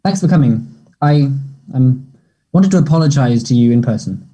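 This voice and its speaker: A man playing an awkward, earnest young gay man who is apologetic and unsure, speaking haltingly in a play table read. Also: medium pitch, expressive, dark tone, lightly acted, low-quality recording. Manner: hesitant, halting.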